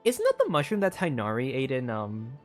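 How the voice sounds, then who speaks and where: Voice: medium pitch, huge pitch swings, brisk, faint music behind. A game streamer giving casual, informal commentary and reading lines aloud, with some swearing. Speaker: streamer playing a video game.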